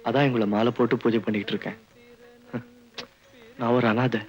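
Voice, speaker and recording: A man's voice: mid-range voice, fairly even intonation, brisk, lo-fi sound, soft background music, natural voice. An actor playing a meek young village postman in an old comedy film, timid and given to panicky yelps.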